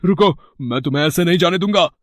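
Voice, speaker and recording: In a cartoon story, a man plays a greedy older brother who wheedles and fakes his tears. His voice sits a bit high for a man, and the recording is close and dry. He sounds sly and grasping all the way through. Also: fast talker, no room sound, close to an everyday voice. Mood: panicked. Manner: wheedling, fake-weeping, then panicked. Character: greedy scheming elder brother, grown man. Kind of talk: cartoon voice acting.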